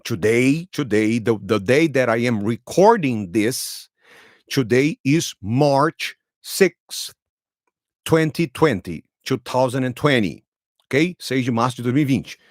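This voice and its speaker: Here a Brazilian man in his thirties, Portuguese being his first language, narrates his personal story as a slow English lesson, saying each line again in other words for learners. He speaks at medium pitch with lively intonation, recorded in clean studio quality without echo.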